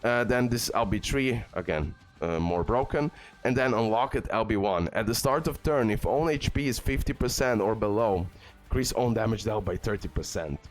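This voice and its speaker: Excitable gaming YouTuber, lowish voice. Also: male voice, moderate pace. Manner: enthusiastic, repeats "guys" and "okay", filler-heavy. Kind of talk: casual game guide commentary. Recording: faint background music.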